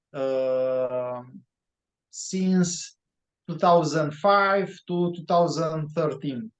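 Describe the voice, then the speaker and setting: A Romanian man with a Romanian accent, answering interview questions in English with many pauses and fillers. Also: on the high side, a little mellow. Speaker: guest author. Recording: roomy, dull lo-fi sound.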